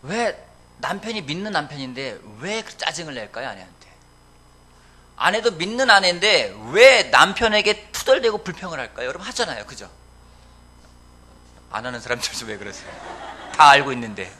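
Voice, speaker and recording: Questioning man preaching, lively pitch. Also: moderate pace, long pauses. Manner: asks the congregation questions and answers them. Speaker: pastor. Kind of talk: sermon. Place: church sanctuary.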